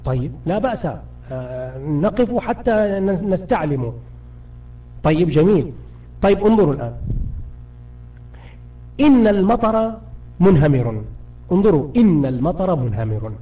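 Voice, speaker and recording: A high-pitched man leads a grammar lesson, patiently quizzing his class and often stumbling over and repeating his words. His tone is mellow and dark. The audio is dull and lo-fi, as if he sits away from the microphone. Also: sing-song, moderate pace, pauses often. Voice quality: frequent self-restarts and repeated words. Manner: patient, keeps quizzing students. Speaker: Arabic grammar teacher. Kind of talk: live online grammar lesson. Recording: muffled distant voice, lo-fi.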